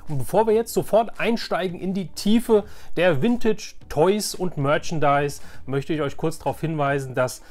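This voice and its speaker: A man hosting a toy collecting channel talks casually and enthusiastically to viewers, often repeating words for emphasis. His fairly high, slightly mellow voice moves at a normal speed with few pauses, and faint music plays behind him.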